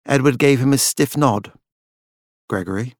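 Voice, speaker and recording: A man's voice: mid-range voice, normal speed, no echo, clean studio sound. A man reading literary fiction aloud as a scripted audiobook narration.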